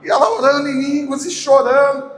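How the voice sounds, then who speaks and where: A Brazilian man with a Goiás accent, preaching a sermon as a pastor and telling a story with acted-out dialogue that swings from hushed to loud. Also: very high-pitched, a little fast. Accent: Goiás Brazilian Portuguese. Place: large church hall. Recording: echoey church hall, faint background noise.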